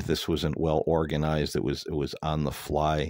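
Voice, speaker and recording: This man's voice sits at a very deep, low pitch and carries vocal fry. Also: dry, close sound with no echo. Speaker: paranormal investigator podcaster. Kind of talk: casual monologue. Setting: home office. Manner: hesitant, many fillers; quiet, low voice in parts of session.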